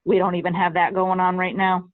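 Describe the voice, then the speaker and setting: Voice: mid-range voice, completely flat delivery, brisk, slight background noise. A committee chair who talks hesitantly in a meeting, with many restarts and repeated okays. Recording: tinny phone line.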